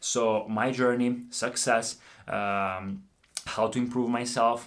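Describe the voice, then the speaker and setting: With an Italian accent, a man talks in a flat, monotone way. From Italy. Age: 20s. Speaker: YouTuber. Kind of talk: casual vlog monologue. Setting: home studio. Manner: hesitant.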